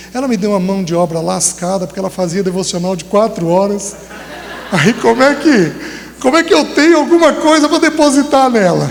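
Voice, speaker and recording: Noticeable background noise and audible room echo around a man with a high pitch, a fairly quick pace and very wide pitch swings. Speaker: preacher. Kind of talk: sermon. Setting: women's retreat, audience.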